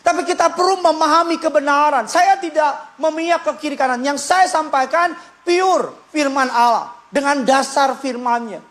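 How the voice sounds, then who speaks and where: Pastor guy preaching, jokey and lively, gets the crowd to repeat after him. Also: very high voice, normal speed, hardly any pauses. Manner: joking, animated, leads the congregation in call-and-response. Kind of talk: sermon.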